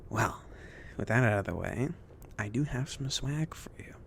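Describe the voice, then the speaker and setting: Casting: chill, kindly mage , male performer for ASMR roleplay; whispery, lightly gravelly, rambling and casual with lilting intonation. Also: lowish voice, lively intonation, moderate pace, slight background noise. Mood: relieved, upbeat. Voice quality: soft, breathy whispering mixed with murmured speech. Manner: hesitant, casual, rambling delivery. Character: chill, friendly male mage kindly outfitting his apprentice.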